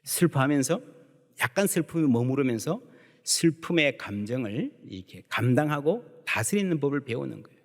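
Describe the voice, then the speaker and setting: A male pastor preaching a sermon in a church sanctuary, lively and emphatic, acting out the voices he quotes. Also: medium pitch, moderate pace. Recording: long church hall reverb.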